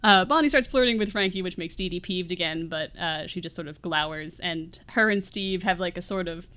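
A woman's voice: on the low side, fairly quick, bright, forceful tone. A woman hosting a film podcast, chatting casually through a movie scene by scene and often laughing as she talks. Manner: giggly, laughs often while talking.

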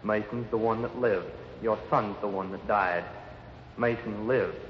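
Grim messenger, lowish voice, big haunting echo, blunt delivery, old radio drama. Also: male voice, fairly even intonation, unhurried, a little hiss or hum. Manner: blunt, repetitive, ominous. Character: grim bearer of death news, echoing in memory. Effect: cavernous flashback echo. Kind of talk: 1950s radio drama acting. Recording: echoing, muffled old radio recording.

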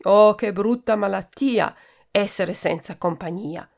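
A woman voicing a plain-spoken, kindly doctor who talks calmly and frankly. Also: medium pitch, slow pace, creaky. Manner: calm, frank, firm.

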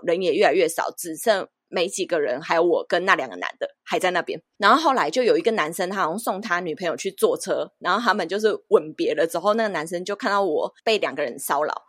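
A woman in her thirties with a Taiwanese Mandarin accent, a podcast guest telling travel stories in a lively, animated way. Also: on the low side, slightly rough, dry recording, clean studio sound. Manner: animated anecdote-telling, acts out the people she quotes. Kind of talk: casual storytelling interview.

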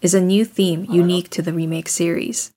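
A woman speaking as an interpreter, giving a producer's words in a measured, formal voice-over. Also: fairly low pitch, fairly even intonation, warm tone. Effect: interpreter speaking in place of a foreign producer.

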